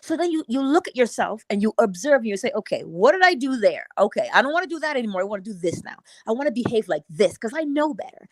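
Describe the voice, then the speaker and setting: A woman's voice: mid-range voice, no room sound. A woman from Barbados, co-hosting a casual chat and giving earnest, preachy advice about self-discipline. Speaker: co-host.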